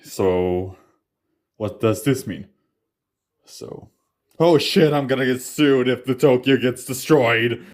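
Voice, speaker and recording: A man's voice: mid-range voice, slow, long pauses, a little hiss or hum, lightly acted. A man voicing a crude, sarcastic, grumbling adult in a fan-made cartoon parody dub.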